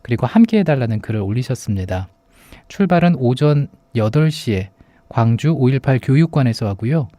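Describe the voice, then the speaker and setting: Soft, mellow male radio host, close and dry. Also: medium pitch, lively intonation, brisk, no room sound. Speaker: radio show host, announcer. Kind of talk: casual conversational hosting.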